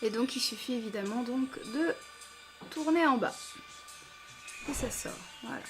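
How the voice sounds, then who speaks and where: High-voiced chatty French woman vlogger. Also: unhurried, over music. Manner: enthusiastic, chatty, many fillers. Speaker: beauty vlogger. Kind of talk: casual product review.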